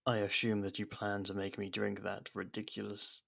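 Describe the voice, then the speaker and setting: A man playing a captured, haughty royal rival with dry sarcasm and theatrical pauses in an ASMR roleplay. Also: on the low side, completely flat delivery, creaky, a bit bright. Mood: wary, sardonic.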